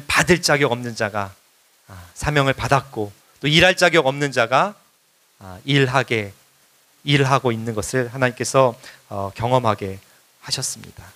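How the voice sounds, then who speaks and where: A man preaching a Sunday sermon as a visiting missionary, telling his story in a conversational way and rising to loud exhortation. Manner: builds to loud, high-pitched exhortation in the close. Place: church sanctuary.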